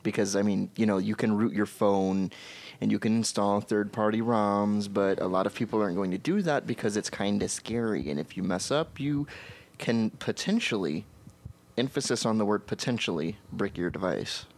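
Low-voiced man, opinionated and wry. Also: a little fast, darkish tone. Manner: earnest and opinionated, with wry self-aware humor. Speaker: podcast co-host. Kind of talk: casual tech chat.

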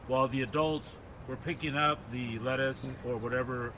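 A podcast host with a mid-pitched male voice asks his questions warmly and admiringly, dropping in the occasional "uh" as he goes. Steady traffic noise from an outdoor setting runs clearly under his voice. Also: moderate pace. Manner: warm and admiring, with frequent filler "uh". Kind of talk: conversational interview.

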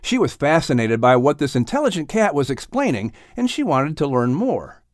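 A man's voice: on the high side, very animated, normal speed, dry recording, clean studio sound. A man reading scripted narration for a children's audiobook story.

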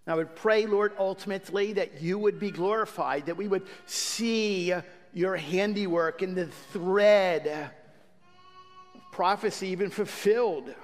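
Faint music plays behind a pastor whose voice sits high and unhurried as he opens a sermon with a welcome and a prayer. He speaks warmly to the congregation in the church sanctuary, using fillers and restarts, with reverb from the hall.

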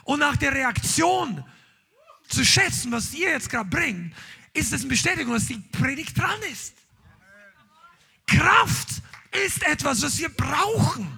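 A man preaching a charismatic sermon to a congregation, emphatic and animated, dropping English words and shouting out exclamations. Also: very high voice, normal speed, gravelly. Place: church hall with congregation, streamed online.

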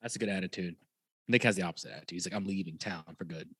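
A man's voice: low voice, fairly bright tone, slight background noise. Teasing young male podcast host. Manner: teasing, quick questions. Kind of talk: casual banter and questions.

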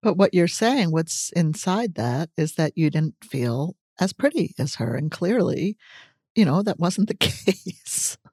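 A woman hosting an interview podcast, eager and laughing along with her guest. Her pitch swings widely as she reacts. The recording is close and dry. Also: animated, unhurried, slightly rough, no room sound. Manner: warmly enthusiastic, laughing often. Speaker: podcast host.

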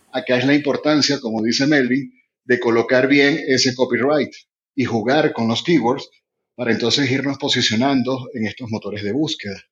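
A man's voice: medium pitch, fairly bright tone. A Venezuelan man, a radio broadcaster and podcaster, explains his ideas eagerly and at length in an online panel. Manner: enthusiastic, long winding explanations. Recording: muffled lo-fi audio.

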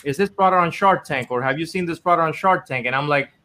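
Bright, earnest man telling his story. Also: on the high side, fast talker. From Dominican Republic. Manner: earnest, rambling with many fillers. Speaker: company founder, guest. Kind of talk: casual interview storytelling.

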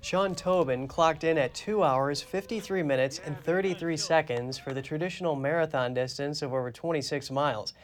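Man, news anchor, scripted reading, steady and clear, slightly high voice. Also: moderate pace, few pauses.

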